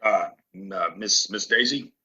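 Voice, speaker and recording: A slightly muffled recording of a western audio play. A man acts out a weary, guarded gunslinger with a very low, husky voice and a tense, forceful edge. He speaks haltingly, as a loner would. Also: exaggerated voice. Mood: shy, awkward. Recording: dull lo-fi home recording.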